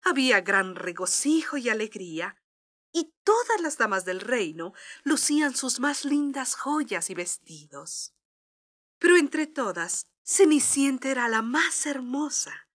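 A woman's voice: on the high side, big pitch swings, unhurried, fairly bright tone. A woman narrating a scripted children's story as a storyteller.

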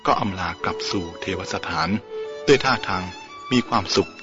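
A man narrating a novel aloud in a measured, steady storytelling manner. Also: lowish voice. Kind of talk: audiobook novel reading. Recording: dull lo-fi with faint music.

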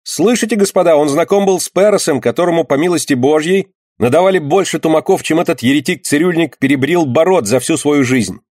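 A man voicing a sharp-tongued, pious young townswoman who scolds and accuses in a shrill way. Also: brisk, no echo, studio quality, natural voice. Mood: furious.

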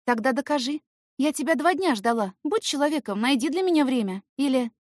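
Woman playing a high-pitched, teasing young student woman. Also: lively intonation, a little fast, no echo, clean studio sound. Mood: coaxing, teasing. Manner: soft, playful, coaxing. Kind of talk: scripted audiobook character voice.

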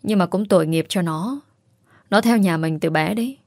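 A woman's voice: on the low side, moderate pace, a little mellow, no room sound, studio quality, lightly acted. A woman voicing a stubborn, domineering mother-in-law who nags insistently. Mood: worried. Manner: nagging, insistent.

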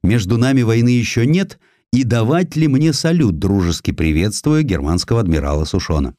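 A man playing a gruff, skeptical British warship commander in an audio drama. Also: on the low side, expressive, fairly quick, dark tone, no echo, clean studio sound, voice pushed up, lightly acted. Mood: questioning.

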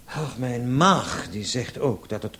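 An actor playing an eager, flustered and deferential police constable in a radio play, hesitant and officious. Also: male voice, medium pitch, expressive, slow, a bit bright. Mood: flustered, chatty. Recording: noisy old radio play recording.

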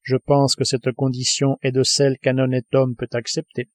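A man's voice: medium pitch, monotone, moderate pace, no room sound, natural voice. A man reading the lines of an earnest, indignant male scientist held captive, in an audiobook.

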